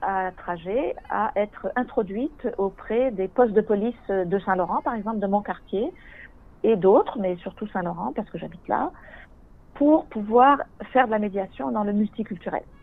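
A normal speaking voice from a woman, medium in pitch, at a fairly slow pace with ordinary pitch variation. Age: 60s. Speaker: retiree and volunteer citizen mediator. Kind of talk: personal testimony.

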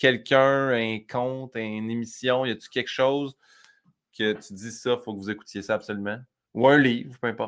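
With a Quebec accent, a man talks at a moderate pace and a medium pitch. The recording is very clean, with a silent background. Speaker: podcast host and comedian. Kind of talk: casual chat. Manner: animated.

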